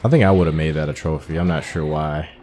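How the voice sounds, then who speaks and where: Very deep, dark-voiced man commentating a game. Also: steady tone, fast, slight background noise. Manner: musing aloud, talking through each step. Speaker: gaming streamer playing through a video game. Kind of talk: casual let's-play commentary.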